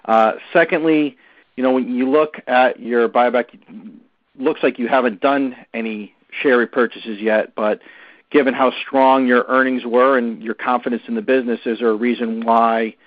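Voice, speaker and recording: A man's voice: medium pitch, steady tone, normal speed, dry recording. A man analyst asking several numbered follow-up questions on an earnings call. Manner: orderly, lists points one by one. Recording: dry tinny phone line.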